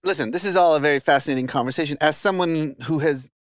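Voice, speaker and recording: A man's voice: on the high side, fast talker, dry recording. A middle-aged man co-hosting a podcast, playful and jokey, asking long rambling questions into a studio mic in a home study. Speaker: podcast co-host. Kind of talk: casual interview. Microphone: studio mic on boom arm, headphones.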